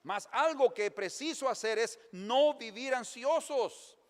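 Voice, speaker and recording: A man preaching a sermon as pastor, telling lively stories in a church. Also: extremely high pitch, unhurried. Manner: lively storytelling preacher, animated. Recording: long church reverb.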